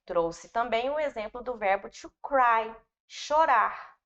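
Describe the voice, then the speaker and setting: Casting: Brazilian woman teacher, patient and informal with students, unhurried delivery, muffled lo-fi sound. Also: fairly high pitch, lively intonation, a bit bright. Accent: Brazilian Portuguese. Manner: addresses students informally, explains patiently with repetition. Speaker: English teacher. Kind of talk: slow, step-by-step grammar lesson. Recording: dull, lo-fi recording.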